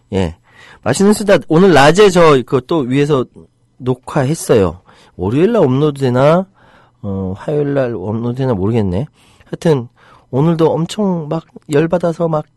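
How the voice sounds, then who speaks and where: A middle-aged man hosts a live internet talk show, swinging between indignant rants and light joking with his listeners. His pitch rises and falls a great deal as he talks. The sound is close and dry, with no room to it. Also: darkish tone, no echo. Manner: heated, indignant outbursts about rights; chatty, jokey with commenters. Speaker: internet radio host reading listener comments.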